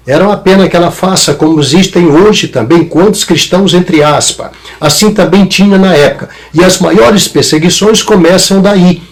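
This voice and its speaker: High-voiced pastor teaching. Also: male voice. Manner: conversational, checks in with "tá ok?". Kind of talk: Bible teaching talk.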